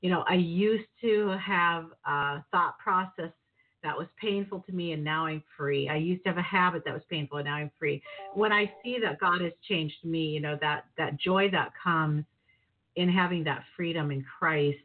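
A woman's voice: fairly low pitch, moderate pace. Woman host, chatty and rambling, lots of "you know" and "um", phone-line sound. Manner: warm, enthusiastic, loose and rambling. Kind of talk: casual Christian interview chat. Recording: tinny phone-like audio.

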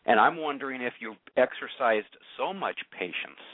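A male call-in radio host with a medium-pitched, lively voice speaks at a moderate pace with no echo. He coaches a caller through probing, challenging questions, often repeating words to press his point. The audio is narrow and phone-like, typical of radio.

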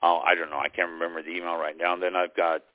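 A man's voice: low voice, little pitch movement, very fast, dry recording. A man co-hosting a radio talk show, chatting loosely and hesitantly about upcoming guests. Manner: rambling, unsure, hesitant. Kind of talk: casual planning chat. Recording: tinny dry phone line.

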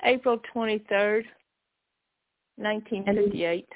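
A woman's voice: medium pitch, fairly even intonation, takes it slowly. An older woman from Kentucky, calling in with a friendly, youthful-sounding voice. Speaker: caller. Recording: tinny phone line.

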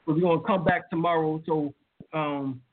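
A man's voice: on the high side, fairly even intonation, moderate pace. Emphatic man on a tinny call line. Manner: emphatic, with many fillers and rising heat. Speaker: lecturer and show host. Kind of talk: casual live-stream lecture. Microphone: video call.

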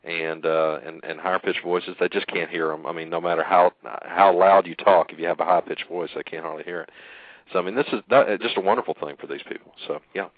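Deep-voiced male co-host, earnest and hesitant; phone-line sound. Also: fairly even intonation, dry recording. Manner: earnest, hesitant, many pauses. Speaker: podcast co-host. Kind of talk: casual podcast conversation. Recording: tinny phone-line call audio.

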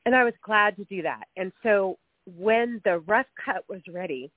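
A woman's voice: medium pitch, normal speed, no echo. A middle-aged woman hosting a radio interview, upbeat and chatty, stuffed up with a cold. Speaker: radio show host. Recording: tinny phone-like radio audio with faint music.

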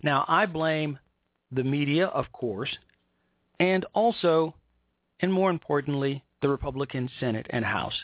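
Casting: American man, political talk host, slightly high-pitched, emphatic and indignant, heard over a tinny phone-quality line. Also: lively intonation, dry recording. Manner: emphatic, indignant, deliberate phrasing with repetition. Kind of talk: political commentary with read-out news articles.

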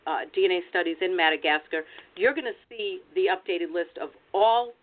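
A woman's voice: lowish voice, a little fast. Woman explaining genealogy over a tinny call. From United States. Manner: explanatory, practical advice-giving. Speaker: genealogy researcher and presenter. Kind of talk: informative webinar talk. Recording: tinny phone-like online call audio.

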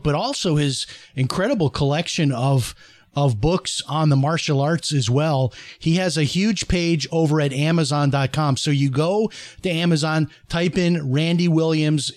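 A man's voice: a little high, dry recording. A man hosting an interview show, giving upbeat promotional plugs and wrapping up with thanks. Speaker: show host.

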